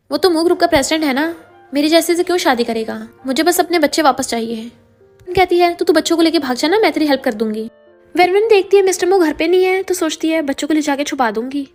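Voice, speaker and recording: Fast, high-voiced woman recapping a drama. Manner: retells scenes, quoting each character's lines. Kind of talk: scripted story narration.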